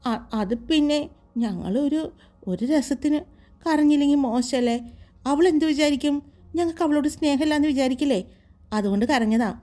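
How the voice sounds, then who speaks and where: A woman voicing a playful young female friend of the bride, pouty and quick in a story reading. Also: high-pitched, mellow, lightly acted.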